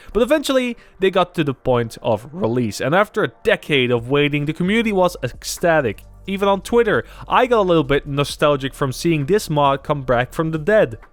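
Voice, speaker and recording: Music plays behind a man talking at a fairly quick pace. His fairly high voice swings very widely in pitch. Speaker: YouTube video creator. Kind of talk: scripted narration. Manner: stuttering.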